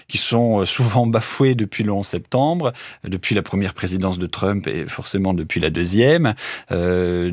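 A man with a fairly low voice speaks as a guest author on a radio show. He answers in a measured, halting way, full of filler sounds. The sound is dry and close. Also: dry recording. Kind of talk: radio interview, thoughtful answers.

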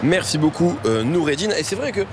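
Quick bouncy-voiced guy hosting, joking with guests. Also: a little high, big pitch swings, background noise. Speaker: host. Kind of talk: casual chat while watching a match.

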